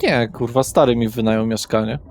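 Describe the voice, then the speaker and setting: A man's voice: mid-range voice, steady tone, a little fast, soft background music, close to an everyday voice. A man voicing a cocky, mouthy rich young slacker with a brash, taunting, sweary street manner. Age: young adult figure.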